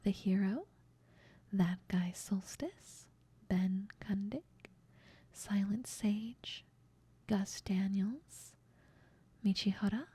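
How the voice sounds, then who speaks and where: A woman who makes ASMR videos, giving a soft, grateful, whispered outro. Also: mid-range voice, steady tone, extremely slow, long pauses, breathy edge, no room sound. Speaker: ASMR creator.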